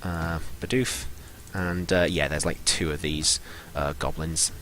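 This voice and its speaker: A man narrating as game master of a live-streamed tabletop game, halting and full of fillers as he describes the scene. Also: extremely low pitch, fairly even intonation, fairly bright tone, a little hiss or hum. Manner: halting, full of ums and sort-ofs.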